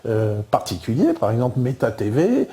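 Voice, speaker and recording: Older Parisian man, informal lecturer walking through slides; halting delivery full of fillers and restarts, dark mellow tone. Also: mid-range voice, wildly swooping pitch. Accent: Parisian French. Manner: halting, many fillers and repeated words.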